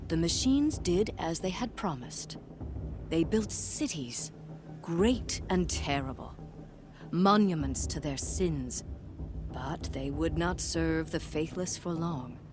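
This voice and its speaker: Slow, solemn old tribal storyteller woman. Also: fairly low pitch, noisy background. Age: older. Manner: slow, measured, dramatic delivery with hushed asides. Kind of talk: theatrical storytelling.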